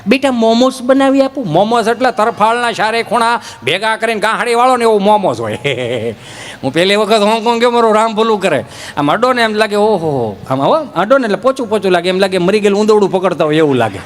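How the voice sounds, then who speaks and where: Folksy comic storyteller. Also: male voice, high voice, fast, in a large hall. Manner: folksy, lively, acts out village characters. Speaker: stand-up comedian. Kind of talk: folk humor storytelling on stage.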